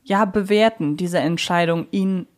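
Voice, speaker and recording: A woman's voice: lowish voice, unhurried, a little mellow. A woman co-hosting a podcast in a casual, conversational discussion. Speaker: podcast co-host.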